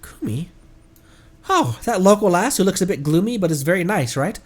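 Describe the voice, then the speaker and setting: A woman's voice: on the low side, animated, normal speed. A woman voicing a flighty, forgetful young researcher in a video game, chatty and grateful. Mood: relieved, flustered. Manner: scatterbrained, chatty.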